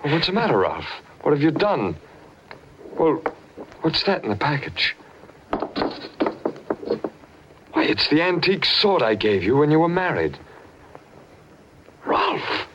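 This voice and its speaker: An actor playing a concerned, probing psychiatrist in an old-time radio horror drama, with an emphatic, theatrical delivery. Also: male voice, fairly high pitch, very animated, measured pace, long pauses. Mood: alarmed. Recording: noisy, dull old radio broadcast recording.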